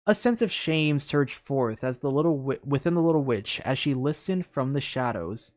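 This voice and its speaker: A game streamer with an expressive delivery, reading a story aloud in storybook style and slipping into casual asides. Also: medium pitch, moderate pace. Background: music.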